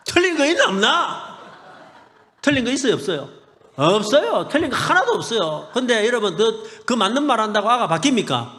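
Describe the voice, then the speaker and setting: A middle-aged male pastor with a Gyeongsang accent preaching a revival sermon, building to loud blessings and joking with the congregation. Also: high voice, sing-song, fairly quick. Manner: preaching with rising shouted blessings and humorous asides to the congregation. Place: church sanctuary. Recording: long hall reverb in a church.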